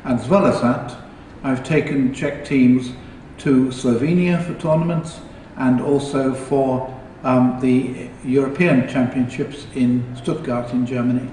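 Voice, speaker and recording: An older man, a retired teacher, giving unhurried interview answers with a few hesitations. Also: medium pitch, steady tone, a little mellow, a little hiss or hum. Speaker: retired teacher and tournament founder. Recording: echoey hall, mic at a distance.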